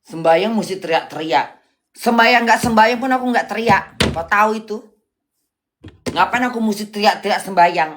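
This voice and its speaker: A woman's voice: medium pitch, moderate pace, long pauses. Blunt scolding woman. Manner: blunt, scolding, coarse, with rhetorical "hah?". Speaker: livestream host. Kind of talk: casual livestream rant.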